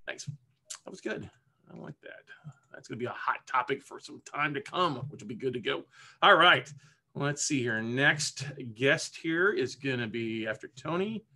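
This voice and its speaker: A man's voice: medium pitch, expressive, moderate pace, bright, forceful tone. A man hosting a live-streamed podcast session over a video call, talking in an upbeat, chatty way with plenty of fillers. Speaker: podcast summit host. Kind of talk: casual live-stream interview.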